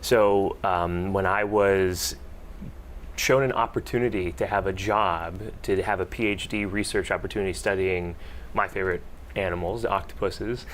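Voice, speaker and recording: Casual man with halting speech. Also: low voice, fairly even intonation, slight background noise. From Pittsburgh, United States. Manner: casual, hesitant, many fillers. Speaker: panelist, PhD student. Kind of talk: panel discussion.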